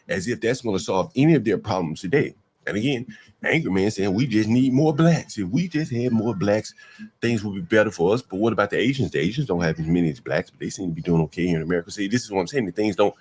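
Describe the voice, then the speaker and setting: A man's voice: on the low side, a little mellow, slightly rough. A man in his fifties giving blunt, dismissive commentary, rambling with restarts. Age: 50s. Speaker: commentator reacting to a panel. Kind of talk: opinionated commentary.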